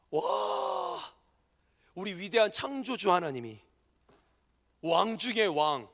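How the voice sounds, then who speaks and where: Fiery high-voiced male pastor, church reverb. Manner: impassioned, swings from hushed asides to shouted peaks; asks the congregation frequent questions. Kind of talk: sermon. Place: church hall during a youth service. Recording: echoey church hall with long reverb.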